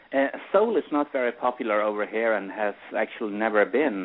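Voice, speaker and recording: Fairly low-pitched male voice at a moderate pace, with fairly even intonation. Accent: Swedish. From Sweden. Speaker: radio DJ. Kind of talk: interview. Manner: halting.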